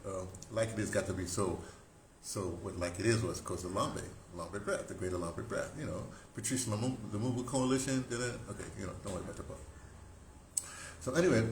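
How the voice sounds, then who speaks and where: Recorded with roomy echo and background noise, a man in his seventies with a lowish voice rambles informally to camera about theater history. He's an audio dramatist, and his telling is halting and full of digressions, with emphatic stresses.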